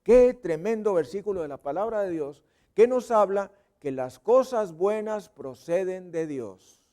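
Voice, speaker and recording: High-voiced, unhurried Mexican preacher. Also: male voice, expressive. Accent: Mexican Spanish. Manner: playful, acts out sounds and voices with sudden loud and whispered bits. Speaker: pastor. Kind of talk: sermon. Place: church service.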